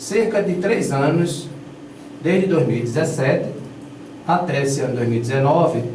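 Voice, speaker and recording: A man's fairly high-pitched voice at a moderate pace, with ordinary pitch variation, long, frequent pauses, noticeable background noise and audible room echo. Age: 30s. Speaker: teacher and candidate. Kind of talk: radio debate. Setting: radio studio.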